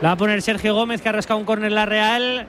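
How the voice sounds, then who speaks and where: High-voiced Spanish male football commentator, noisy stadium. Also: steady tone, quick pace. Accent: Spanish from Spain. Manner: chatty, joking with colleagues. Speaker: radio football play-by-play commentator. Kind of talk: live match commentary with casual banter. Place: press area at a football stadium. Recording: loud stadium and street noise behind.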